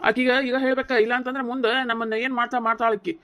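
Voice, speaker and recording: A fast, insistent voice for a young village husband who scolds and lectures his family in a cartoon comedy, acted by a woman. The pitch sits a touch high, and the North Karnataka Kannada accent is strong. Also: flat delivery, fairly bright tone, clear, resonant tone, lightly acted. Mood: scolding. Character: heated young husband defending his wife against his mother.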